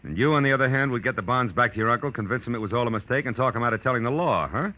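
An actor with an American accent playing a tough, wry private detective in a clipped, sardonic 1940s radio drama style. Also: male voice, mid-range voice, expressive, very fast, sharp tone. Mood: sardonic, pressing. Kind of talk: 1940s radio detective drama acting and first-person narration. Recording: dull old radio recording, music behind.

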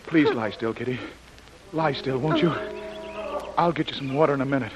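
An actor playing a rugged male jungle adventurer, steady and reassuring, in 1930s radio drama style. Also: mid-range voice, moderate pace, music in the background, natural voice, rough recording. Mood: soothing. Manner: steady, reassuring, talking to himself.

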